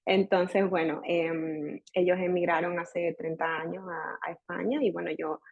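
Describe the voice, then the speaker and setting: A woman's voice: lowish voice, little pitch movement, unhurried, creaky, slightly rough, dry recording, lo-fi sound. A young Spanish woman from Seville, with an Andalusian accent, chatting as a dentist guest on a podcast and mixing English words into her Spanish. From Spain. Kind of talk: casual podcast interview.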